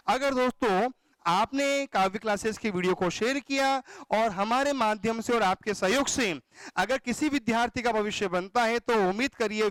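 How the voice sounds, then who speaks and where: A man's voice: high voice, a bit bright, clean tone, no echo. A male teacher giving an exam-prep lecture, asking questions and answering them himself in a call-and-response rhythm. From Rajasthan, India. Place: classroom or studio.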